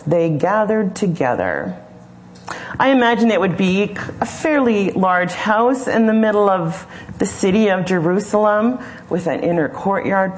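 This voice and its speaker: A woman preacher retelling a scripture story slowly and imaginatively, often pausing to question the listener. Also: medium pitch. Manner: slow, imaginative, gently questioning. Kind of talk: storytelling sermon.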